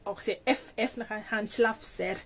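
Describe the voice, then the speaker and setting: A woman's voice: medium pitch, steady tone, a little fast, slight background noise. A Thai woman in a casual language lesson, explaining phrases in a chatty way and laughing between examples. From Thailand. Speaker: language teacher.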